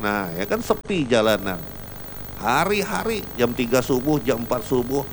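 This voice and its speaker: A man's voice: medium pitch, big pitch swings, normal speed, a little hiss or hum, poor audio. A man giving a religious lecture, emphatic and repetitive as he tells everyday anecdotes. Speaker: preacher.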